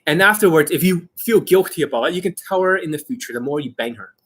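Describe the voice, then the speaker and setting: A man giving informal coaching to online viewers as their host, brash and boastful, with emphatic, sweary delivery and a slightly rough, husky voice. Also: on the high side, lively intonation, fast, fairly bright tone. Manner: acts out mock exchanges, emphatic.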